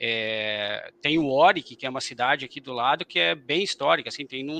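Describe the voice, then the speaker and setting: A man with a southern Brazilian accent, a bright, sharp tone and a dry, close sound with no echo. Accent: gaúcho accent, still kept. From Rio Grande do Sul, Brazil (Charrua). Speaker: mechanical engineer, emigrant interviewee. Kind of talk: interview.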